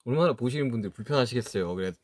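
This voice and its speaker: A man around thirty chatting casually to viewers on a livestream, musing aloud and trailing off with soft laughs. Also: mid-range voice, lively intonation, very fast. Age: 30s. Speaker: livestream host reading chat.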